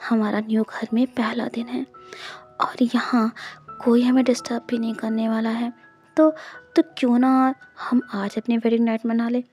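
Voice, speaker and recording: A woman voicing a doting, seductive husband in an audiobook, with a low, hushed, coaxing delivery. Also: fairly even intonation, moderate pace, soft background music, close to an everyday voice. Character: adult man, doting, seductive, pleading husband.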